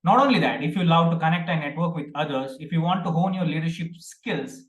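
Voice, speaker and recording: A man's voice: on the high side, a little fast, reverberant. A man presiding over an online speaking club meeting, welcoming guests with a friendly tone and frequent fillers. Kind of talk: chairing a meeting. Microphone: video call.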